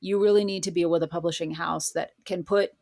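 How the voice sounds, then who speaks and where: A woman's voice: fairly low pitch, fairly even intonation, fairly quick, darkish tone. A woman speaking conversationally as a guest author in a podcast interview.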